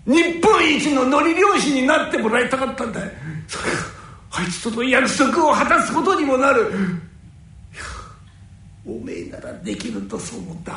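A man playing a gruff old nori wholesaler. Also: very high voice, sharp tone, exaggerated voice. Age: older. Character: older male nori wholesaler, gruff but caring. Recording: very echoey room.

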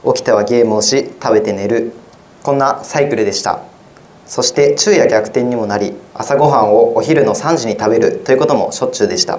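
A teenage high school boy reading his own essay aloud in a plain, even-paced way for a radio broadcast. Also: brisk. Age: teens. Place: radio studio.

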